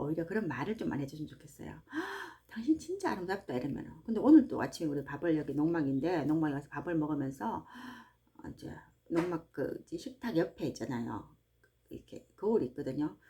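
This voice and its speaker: A woman, hosting a book-reading channel and talking in a chatty, animated way about faith and daily life, speaking straight to her listeners from a small farm hut. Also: low-pitched. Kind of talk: casual devotional talk to listeners.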